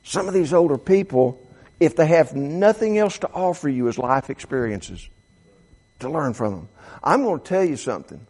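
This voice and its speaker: A man's voice: on the high side, very animated, moderate pace, a little mellow. A man of seventy preaching a sermon, reading quotations aloud and often stumbling and restarting his sentences. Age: 70s. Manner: reads quotes aloud, frequent stammered restarts. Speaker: pastor.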